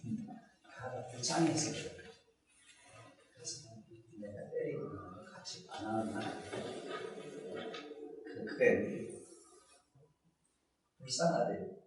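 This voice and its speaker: An older man with a tells a story in a gentle way. He acts out small conversations between children. His voice carries through a very echoey hall, picked up from well back. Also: on the low side, animated, slow pace, pauses often, crowd noise. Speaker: Buddhist dharma teacher. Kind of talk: dharma talk to a child and audience. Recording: echoey hall, heard from a distance.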